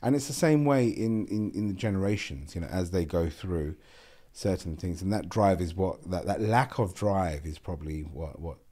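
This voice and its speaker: Man, South London accent, low voice, warm tone, earnest, repeats himself, podcast mic. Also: normal speed. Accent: South London English. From South London, England. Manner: earnest, repeats words, animated with hand gestures. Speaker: podcast guest. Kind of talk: casual interview talk. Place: small bright studio room with a window. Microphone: boom-arm podcast microphone.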